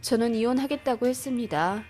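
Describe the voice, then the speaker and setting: Woman reading a dramatic family story out loud, highish voice, music in the background. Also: a little fast. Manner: emotional, recounting. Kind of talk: first-person story narration.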